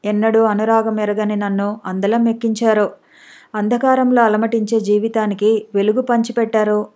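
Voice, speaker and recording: A woman voicing a frail, gravely ill young wife who pleads tearfully for forgiveness, read in an audiobook. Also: medium pitch, flat delivery, moderate pace, mellow, close to an everyday voice. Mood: tearful pleading.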